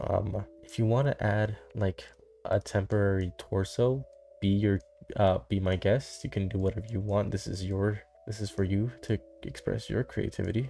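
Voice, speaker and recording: Against music in the background, a man speaks quietly at a moderate pace, his fairly low voice carrying ordinary pitch variation. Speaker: YouTube tutorial creator. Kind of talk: software tutorial. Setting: home, others asleep. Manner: casual, filler words.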